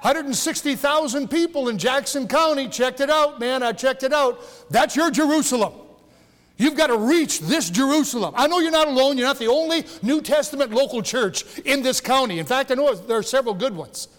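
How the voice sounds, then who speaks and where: Older man, sixties, pastor, preaching, folksy, joking, stumbles and restarts, high voice, long hall echo. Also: a little fast, a bit bright. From Michigan. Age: 60s. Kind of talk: sermon. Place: church sanctuary.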